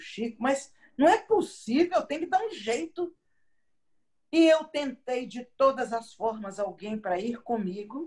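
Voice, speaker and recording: A woman's voice sits high and swings very widely in pitch as she talks at a moderate pace. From Minas Gerais, Brazil. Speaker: spiritist speaker and lecturer. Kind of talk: interview answer, personal anecdote.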